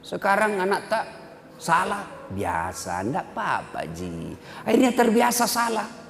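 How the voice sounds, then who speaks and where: Brief: lively male preacher, bright high voice, big swings in pitch, reverberant hall. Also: a little slow, creaky, a crowd in the background. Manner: animated, mimics parents and children, shouts punchlines. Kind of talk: humorous sermon. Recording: echoey hall with long reverb.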